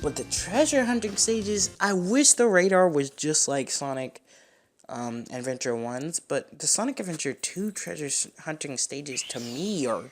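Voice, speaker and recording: A young man hosts a let's play in a loose, informal way. He rambles casually, as if chatting to friends, while game music plays clearly underneath. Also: fairly high pitch, unhurried. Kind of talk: casual gameplay commentary.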